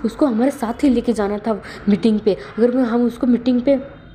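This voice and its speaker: Woman doing a fuming young male boss, agitated, rushed, mellow voice. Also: fairly high pitch, steady tone, a little hiss or hum, close to an everyday voice. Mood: angry. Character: hot-tempered young male boss, lovesick.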